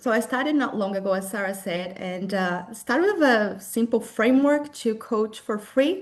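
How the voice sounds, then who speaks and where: In a Brazilian accent, a woman speaks at a fairly high pitch with lively intonation. She keeps a moderate pace with hardly any pauses. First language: Portuguese. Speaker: property developer and business coach. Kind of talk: interview. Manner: halting.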